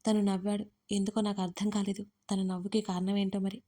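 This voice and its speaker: An author and narrator tells a first-person audio story in a close, conversational way, unhurried and personal. Her voice is warm and mellow, with a level tone and pitch that barely rises or falls.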